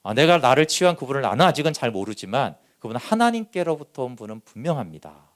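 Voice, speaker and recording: A man's voice: medium pitch, sing-song, fast. A male pastor preaching a Sunday sermon, reading scripture and acting out the voices of its figures. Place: church sanctuary.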